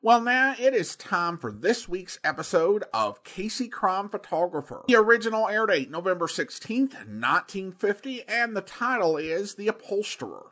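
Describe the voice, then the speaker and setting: A man's voice: high voice, sing-song, moderate pace, few pauses, pushed and bright. A man hosting a podcast, giving a semi-scripted show introduction. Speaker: podcast host.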